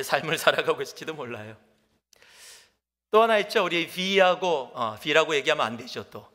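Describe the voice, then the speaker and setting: Korean pastor, male, bright high voice, big swings, reverberant church hall. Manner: animated storytelling, acts out dialogue, drops to whispers. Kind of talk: sermon. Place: church sanctuary.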